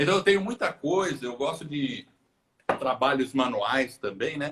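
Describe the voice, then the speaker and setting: At a fairly slow pace and a fairly high pitch, a man with a normal speaking voice shows lively intonation. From Brazil. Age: 50s. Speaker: engineer and podcast school founder. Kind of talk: interview. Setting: live stream.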